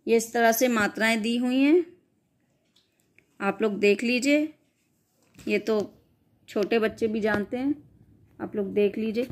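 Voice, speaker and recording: A woman teacher with a somewhat high voice works through exam-prep grammar notes. She reads each definition aloud, then restates it informally for her students. She catches and corrects her own slips as she goes. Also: measured pace, pauses often. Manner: reads out definitions, then re-explains them in loose spoken asides; frequent self-corrections and "sorry".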